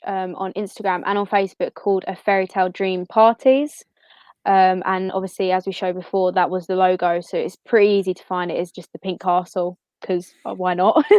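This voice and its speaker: A woman's voice: medium pitch, a little mellow, smooth, dry recording. A woman of about twenty chatting casually as an interview guest in a giggly, chatty manner. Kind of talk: casual chat.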